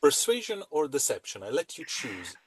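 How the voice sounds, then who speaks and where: A man running a tabletop game as game master, with slow, dramatic narration. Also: mid-range voice, sing-song, slightly rough, dry recording.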